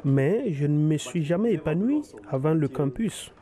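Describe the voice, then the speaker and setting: A man's voice: a little high, expressive, moderate pace, a crowd in the background. A young man from Kenya, an artist, explaining his work plainly in an interview. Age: young adult.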